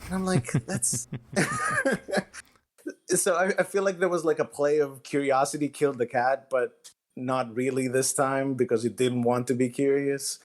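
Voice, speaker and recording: A man chatting casually as a guest author, halting and thinking aloud as he goes. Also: mid-range voice, steady tone. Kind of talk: casual chat.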